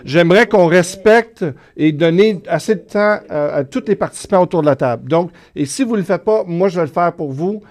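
High-voiced, hesitant male moderator. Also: brisk, few pauses, darkish tone. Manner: hesitant, many fillers. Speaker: debate moderator. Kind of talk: moderating a debate.

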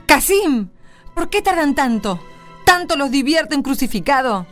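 A woman's voice: high voice, big pitch swings, a little slow, faint music behind. A woman with an Argentine accent playing an impatient, scolding caravan leader's wife in a radio play. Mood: impatient, sharp.

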